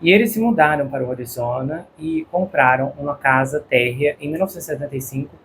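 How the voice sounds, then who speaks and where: A man's voice: on the high side, fast, a bit bright, slight background noise. Brazilian man reading crime news. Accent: Brazilian Portuguese. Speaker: true crime channel host. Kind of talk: read news narration.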